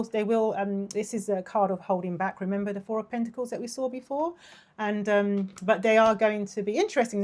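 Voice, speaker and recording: A woman's voice: mid-range voice, darkish tone. Woman losing her voice, doing a tarot reading. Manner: gushing, affectionate, with frequent laughs. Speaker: tarot reader. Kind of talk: casual tarot reading to camera.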